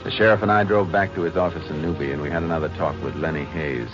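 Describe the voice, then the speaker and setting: Deep-voiced laconic Texas Ranger. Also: male voice, fairly even intonation, muffled recording. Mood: stern, controlled. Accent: American. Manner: terse, measured questioning. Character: calm, laconic Texas Ranger investigator and narrator. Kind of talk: 1950s radio drama acting and narration. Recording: band-limited vintage radio recording with music.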